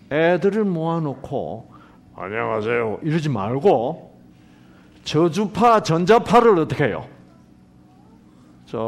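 A man's voice: fairly high pitch, breathy edge. A middle-aged male pastor preaching a sermon, explaining ideas and asking the congregation questions. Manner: animated, asks the congregation rhetorical questions.

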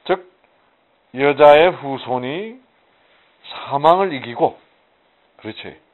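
Guy teaching bible study, slow and swingy voice, asks himself questions, sounds like over a phone. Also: on the high side, expressive. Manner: rhetorical questions answered himself, emphatic. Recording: muffled phone-like audio.

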